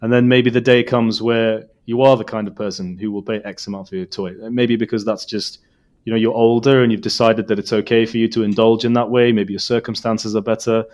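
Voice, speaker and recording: A man's voice: on the low side, flat delivery, fairly quick, darkish tone. Reflective man in his forties. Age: 40s. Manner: reflective, thoughtful. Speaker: podcast co-host. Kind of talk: casual chat.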